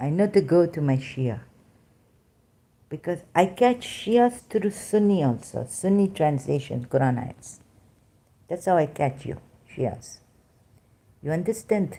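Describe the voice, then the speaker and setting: A woman with a fairly low pitch and a dark, mellow tone talks at a fairly slow pace with long, frequent pauses. Her pitch swings very widely. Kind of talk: casual religious commentary. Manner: halting.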